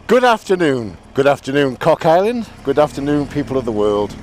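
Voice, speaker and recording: Hoarse chatty man with a cold. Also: mid-range voice, sing-song, fairly quick. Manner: self-deprecating, chatty, laughs often. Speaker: motorbike vlogger. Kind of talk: rambling casual vlog. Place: outdoors on a motorbike. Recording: wind noise outdoors.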